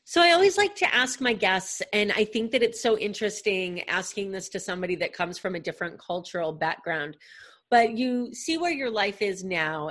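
A woman's voice: medium pitch, a bit bright. Upbeat woman podcast host. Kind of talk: podcast interview.

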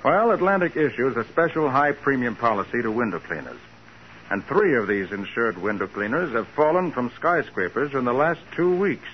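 An American man playing a confident, resourceful private detective in a 1940s radio drama, speaking with assured, wry briskness. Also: medium pitch, animated, natural voice. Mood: brisk, assured. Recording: muffled 1940s radio recording, faint noise.

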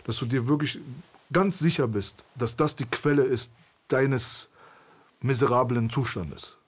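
A man from Berlin talks bluntly and intensely as a guest. His voice sits at an ordinary middle pitch, and he builds his points with forceful emphasis. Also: measured pace, breathy edge. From Berlin, Germany. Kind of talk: candid conversation.

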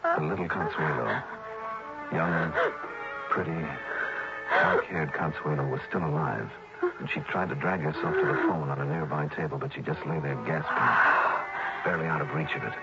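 Tough wisecracking private eye, low voice, old radio recording w music behind. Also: male voice. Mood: hard-boiled narration. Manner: brisk, wry, hard-boiled. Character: tough wisecracking male insurance investigator, middle-aged. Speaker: narrator and lead. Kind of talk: 1950s-60s radio drama acting. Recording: dull old radio broadcast.

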